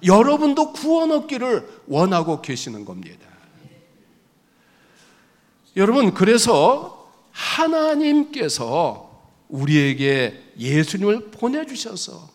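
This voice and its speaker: A male pastor delivers a sermon with a lively, swinging pitch that climbs on emphatic lines. His voice sits a little high for a man and rings out with a long church reverb. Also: slow. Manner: earnest preaching, rising emphatic declarations. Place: church sanctuary.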